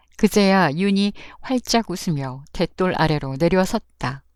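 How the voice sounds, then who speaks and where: A normal speaking voice at a fairly slow pace, with ordinary pitch variation and a dry, close sound with no echo. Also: woman. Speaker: audiobook reader. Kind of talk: audiobook reading of a children's novel. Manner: soft-spoken, calm.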